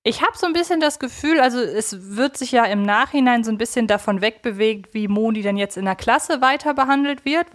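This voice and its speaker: A woman hosting a podcast, giving conversational commentary. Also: on the high side. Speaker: podcast host.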